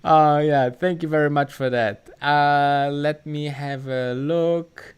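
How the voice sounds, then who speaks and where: A German man hosts a live stream from his home setup, reading viewer comments aloud. He speaks slowly with a German accent, and his voice is smooth and clear. He rambles, filling pauses with ums and restarting his sentences. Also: on the high side, steady tone. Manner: rambling, many fillers and restarts. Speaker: livestream host answering chat. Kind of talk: casual live stream chat.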